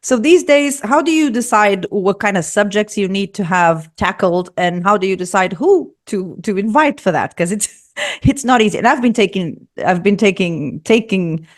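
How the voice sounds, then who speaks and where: Woman, podcast host, chatty questions, casual conversational tone, mid-pitched voice. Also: animated, moderate pace. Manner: chatty, laughs between questions. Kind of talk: casual interview talk.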